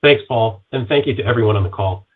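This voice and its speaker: A man's voice: lowish voice, quick pace, husky, phone-quality sound. A man in a company finance role reading scripted earnings guidance in a formal, businesslike way.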